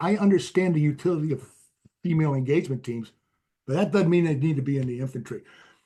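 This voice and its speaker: A man with an American accent, somewhat breathy and dark, mellow in tone, at a fairly high pitch with ordinary pitch variation and a very fast pace. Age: 60s. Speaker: retired Marine and war veteran. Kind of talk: casual chat. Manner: animated.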